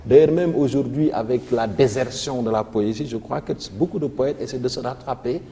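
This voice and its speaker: A man with a Senegalese French accent, a teacher explaining poetry and rhythm on a televised revision lesson, reciting lines of verse slowly. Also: mid-range voice, dark tone, big-room sound. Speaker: literature teacher.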